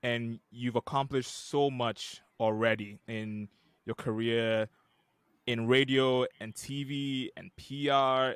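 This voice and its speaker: A man's medium-pitched voice at a very slow pace. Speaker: podcast host and musician. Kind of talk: podcast interview. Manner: halting, with pauses.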